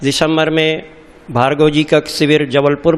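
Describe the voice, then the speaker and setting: A man speaks with a fairly high pitch. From Madhya Pradesh, India (Pipariya, Hoshangabad). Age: 60s. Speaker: teacher, diet camp participant. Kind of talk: testimony. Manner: halting.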